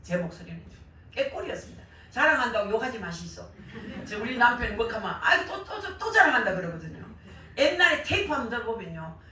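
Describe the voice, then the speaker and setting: Older female preacher, Gyeongsang Korean accent, hoarse but bright and forceful, heard in a very echoey church hall. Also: a little high, fast talker, recorded from a distance. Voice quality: worn, hoarse voice damaged by years of crying out in prayer. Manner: animated storytelling, acting out quoted remarks. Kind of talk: sermon with personal anecdotes. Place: church service, roomy indoor hall.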